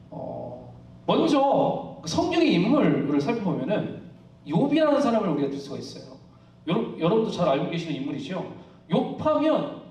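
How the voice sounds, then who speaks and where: Male pastor, live church sermon; conversational, laughs easily; lively pitch, roomy distant sound. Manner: conversational, asks the congregation questions; laughs often while preaching. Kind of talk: live sermon to a youth congregation. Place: church worship hall. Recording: echoey hall, distant mic.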